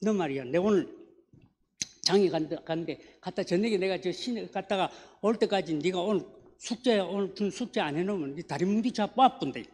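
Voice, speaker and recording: A man with a Gyeongsang accent voicing a stern father who gruffly threatens his lazy son in dialect. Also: high-pitched, lively intonation, brisk, a little mellow, pitched below the performer's own voice. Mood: threatening. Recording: echoey church hall.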